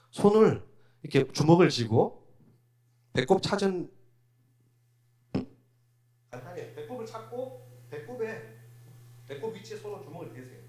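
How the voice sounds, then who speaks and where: A man's voice: sits high, darkish tone, reverberant. A man leading a hands-on first aid demonstration for a live group, instructive and repetitive as he talks the group through each step. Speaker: fire safety instructor. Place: hall of a place of worship.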